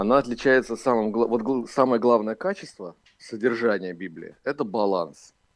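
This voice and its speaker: A man talks at a medium pitch. His pitch varies in an ordinary way, and it is an unremarkable speaking voice. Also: moderate pace. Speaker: theologian. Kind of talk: casual chat. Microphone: clear phone line.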